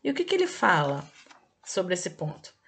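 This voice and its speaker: A woman whose voice sits on the low side, gravelly and a bit bright with huge pitch swings, teaches a recorded review lesson to kids. She explains didactically, lengthening key words and frequently adding "ok?" or "tá?" to check in.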